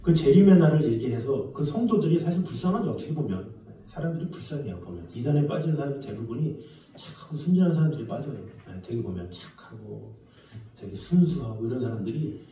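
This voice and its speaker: Animated pastor preaching in an echoey sanctuary. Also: male voice, mid-range voice, muffled recording. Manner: lively, conversational preaching, acts out quoted voices. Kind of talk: sermon. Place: church sanctuary. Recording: echoey church hall, distant mic.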